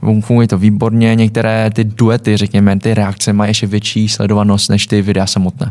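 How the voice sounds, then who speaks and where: Against noticeable background noise, a man with a fairly low pitch talks at a moderate pace in a monotone, flat intonation, with very even loudness and hardly any pauses. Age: 20s. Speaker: social media creator. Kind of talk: interview.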